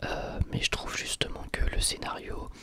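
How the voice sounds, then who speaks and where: Speaking in a soft, hesitant whisper, an ASMR channel host responds to his viewers' questions, pausing often as he goes.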